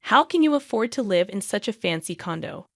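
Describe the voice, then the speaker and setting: A man's voice: high voice, sing-song, a little fast, dry recording, studio quality. A woman voicing an angry adult husband who demands answers in a raised voice.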